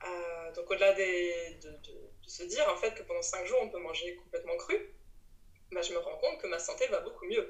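A woman talks at a moderate pace, her volume rising and falling in big swings. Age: 30s. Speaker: raw vegan chef and aromatologist. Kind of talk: interview.

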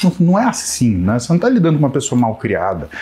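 A man with lively intonation. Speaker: fitness coach and live-stream host. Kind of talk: casual live-stream Q&A. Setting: live stream while cycling on exercise bike. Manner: animated.

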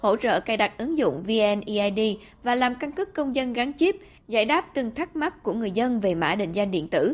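At a moderate pace, a woman speaks with a high pitch and very wide pitch swings. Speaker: radio reporter. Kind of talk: news report.

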